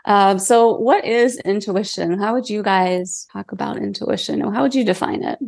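A woman's voice: medium pitch, normal speed, gravelly, a little mellow. A woman with a head cold and a cracking voice, explaining things in an earnest, informal, conversational way as a podcast guest. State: has a cold.

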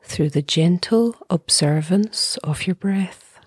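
Slow, breathy woman guiding meditation. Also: lowish voice, no room sound, studio quality. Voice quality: soft, breathy. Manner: calm, gentle, unhurried with long pauses. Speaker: meditation teacher. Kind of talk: guided meditation.

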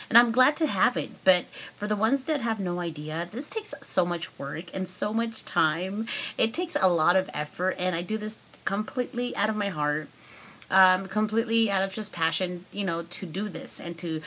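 A woman's voice: fairly low pitch, fairly bright tone, a little hiss or hum, low-quality recording. Congested chatty woman podcast host. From United States. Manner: chatty, rambling with many fillers. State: congested from a cold. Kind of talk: casual solo podcast monologue.

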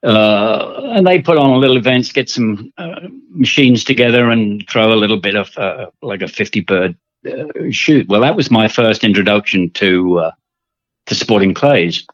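Older english guy, kinda low voice, dull dry audio, rambles with lots of ums. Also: animated, normal speed, dry recording. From England. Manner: rambling, repeats words, many fillers. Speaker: guest. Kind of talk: casual interview.

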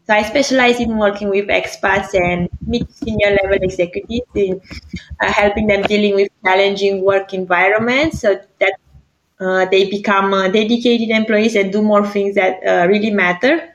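A woman with a Romanian accent, a career coach answering interview questions with many pauses and fillers. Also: medium pitch, steady tone, highs cut off.

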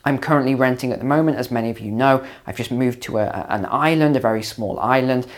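A man hosting his own finance channel, slightly hoarse after long calls, explaining to camera in a conversational way with ums and repeats. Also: medium pitch, quick pace. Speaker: finance video host and mentor.

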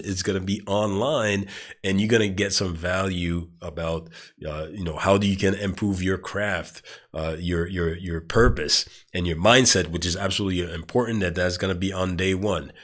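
Hosting his podcast solo, a man with a very low, congested voice delivers a casual monologue at a moderate pace. He rambles, often restarting his sentences and relying on fillers.

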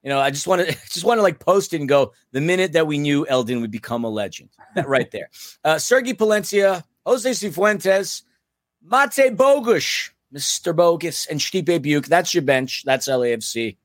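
A man's voice: on the high side, lively intonation, normal speed, dry recording, studio quality. Chatty man on a sports podcast. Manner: chatty, laughs often, stumbles over names. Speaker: podcast co-host. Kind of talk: casual sports podcast chat.

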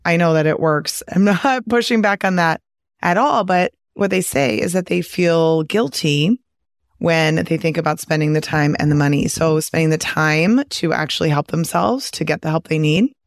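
A woman with a hoarse, raspy voice hosts a podcast, chatty and encouraging, with a fair bit of laughter. Her pitch sits on the low side for a woman. The sound is dry and close. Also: moderate pace, no echo. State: hoarse from a virus. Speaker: podcast host and weight loss coach. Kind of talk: casual podcast monologue.

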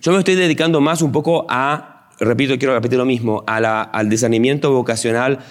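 A man's voice: mid-range voice, brisk. A man giving an instructional, conversational Catholic talk, asking rhetorical questions and answering them himself. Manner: conversational, acts out imagined thoughts. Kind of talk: instructional talk on faith to an audience.

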